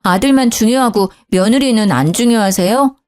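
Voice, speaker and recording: A woman's voice: on the high side, moderate pace, darkish tone, faint music behind. A woman narrating a dramatized story as a schoolteacher wife, arguing indignantly. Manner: indignant, argumentative.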